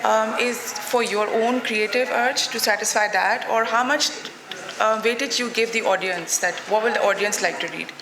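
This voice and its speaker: A woman's voice: fairly high pitch, normal speed, background noise. A woman moderating an on-stage interview, asking questions in a conversational style. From Pakistan. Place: literature festival stage before an audience. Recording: echoey reverberant festival sound with crowd.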